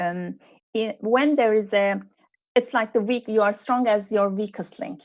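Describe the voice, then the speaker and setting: In a Turkish accent, a woman speaks at a fairly high pitch against a quiet background. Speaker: business leader and speaker. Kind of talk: online summit talk. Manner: halting, many filler sounds.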